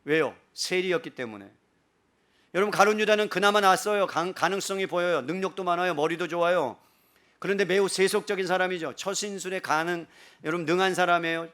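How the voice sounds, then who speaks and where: Animated male pastor preaching a sermon. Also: on the high side, brisk. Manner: animated, asks the congregation constant rhetorical questions; swings between loud bursts and hushed passages. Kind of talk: Sunday sermon.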